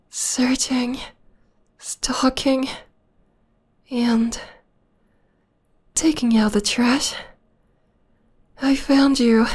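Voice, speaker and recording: A woman playing an obsessed, possessive young vampire stalker in an intimate, breathy, half-whispered ASMR roleplay. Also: high-pitched, darkish tone, full character voice. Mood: adoring, sinister.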